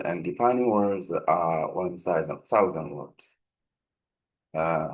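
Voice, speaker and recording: Slow, halting man with Korean accent. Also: low-pitched, low-quality recording. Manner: halting, searching for words in simple non-fluent English. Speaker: language learner explaining a speaking practice project. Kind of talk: informal explanatory monologue.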